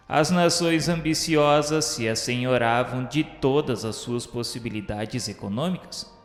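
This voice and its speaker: A man narrating a scripted radio drama in a solemn, literary manner. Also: medium pitch. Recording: echoey reverberant production, music bed. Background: music.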